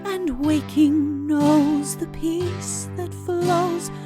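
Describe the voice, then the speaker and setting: Female singer for an old-style ballad: very high voice, drawn-out phrasing, plucked guitar behind. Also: fairly even intonation. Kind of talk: slow sung ballad. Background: plucked guitar accompaniment.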